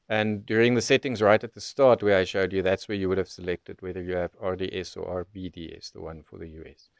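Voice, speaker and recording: A man's voice: lowish voice, clear, resonant tone, no echo. A man presenting an unscripted product demonstration, explaining things methodically, step by step. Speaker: presenter of radio tutorial.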